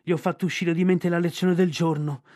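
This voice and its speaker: A man's voice: on the high side, little pitch movement, brisk, a little mellow, dry recording, studio quality, close to an everyday voice. A man voicing a clumsy old bear who pants and laments. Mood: anguished lament. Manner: panting, lamenting.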